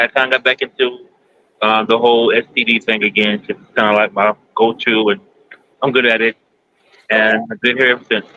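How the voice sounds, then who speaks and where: A man in his forties from Kentucky, a guest answering interview questions in a halting, plainspoken way with many pauses. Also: medium pitch, pushed and bright. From United States, Kentucky. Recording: dull lo-fi sound, faint background noise.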